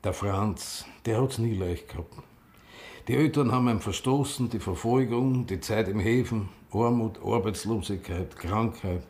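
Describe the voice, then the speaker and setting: A man's voice: lowish voice, a little slow, darkish tone, husky. An actor playing an ageing, defiant gay activist who tells of his grief with a Viennese accent, in a radio drama. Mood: sombre, mourning. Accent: Viennese Austrian. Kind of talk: radio drama monologue and dialogue. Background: music.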